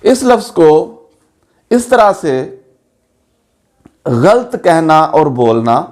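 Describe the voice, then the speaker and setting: A man gives an Urdu pronunciation lesson in a slow, careful cadence. His voice sits a little high for a man, and he names each vowel mark as he goes. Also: big pitch swings, darkish tone. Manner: slow, deliberate, spells out vowel marks. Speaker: Urdu language teacher.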